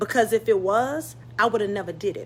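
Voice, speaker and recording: Speaking in a Southern US accent, a woman has a fairly high pitch with vocal fry. Her pace is moderate. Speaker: life coach, motivational speaker. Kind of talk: casual motivational livestream talk.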